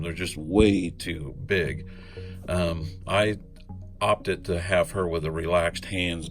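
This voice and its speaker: Deep gravelly man, congested. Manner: rambling, laid-back, frequent fillers. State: congested from a cold. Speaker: collectibles reviewer. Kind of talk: casual unboxing review.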